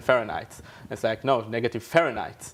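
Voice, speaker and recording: A man speaks with an Israeli accent. His intonation is lively. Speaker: cultural emissary. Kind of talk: TV interview. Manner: halting.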